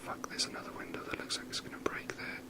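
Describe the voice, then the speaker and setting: A man whispers ASMR video game commentary in a rambling, wry, sweary manner, close to the microphone. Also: fast. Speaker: video game streamer making ASMR gameplay.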